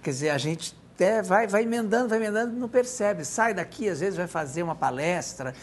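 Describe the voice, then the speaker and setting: A woman's voice: lively intonation, a little fast. A woman with a Brazilian accent co-hosting a talk show in an informal, chatty, agreeable way, like a radio presenter. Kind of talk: casual talk show chat. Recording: faint low rumbling background noise.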